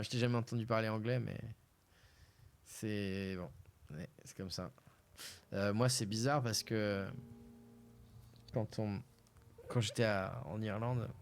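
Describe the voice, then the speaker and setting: Streamer, young man from France, relaxed chat over faint room noise. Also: lowish voice. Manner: casual, hesitant, lots of fillers. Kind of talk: reading a game aloud and chatting live.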